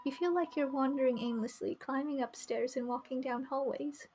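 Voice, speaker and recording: A woman's voice: sits high, fairly even intonation, normal speed, darkish tone. A woman streaming a game, reading its narration aloud and commenting as she goes, with music behind her.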